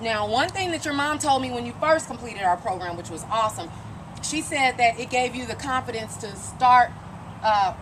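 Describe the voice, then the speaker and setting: A woman's voice: a little high, lively intonation, normal speed, background noise. A woman coach interviewing and giving an emphatic, encouraging pep talk, repeating phrases for emphasis.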